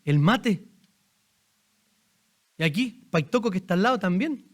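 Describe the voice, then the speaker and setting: A man's voice: high voice, lively intonation, measured pace. A man with a Chilean accent preaching a sermon as pastor in a church, talking conversationally and putting questions straight to the congregation. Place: church sanctuary.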